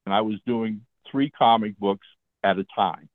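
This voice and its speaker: A man's voice: lowish voice, normal speed, no room sound. Older man, 70s, talkative career storyteller, frequent "all right?" check-ins, tinny phone audio. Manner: chatty, often checks in with "all right?" and "okay?". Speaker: guest, comic book writer. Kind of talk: casual interview storytelling. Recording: tinny phone-line sound.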